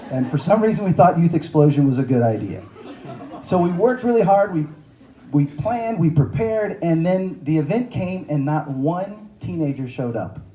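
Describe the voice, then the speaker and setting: A man's voice: medium pitch, warm tone. A man in his forties from Texas, an author telling self-deprecating stories to an audience at a bookstore event, with fillers and jokes. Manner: self-deprecating, joking, conversational with many fillers. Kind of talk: storytelling talk at a book event. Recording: echoey room, faint noise.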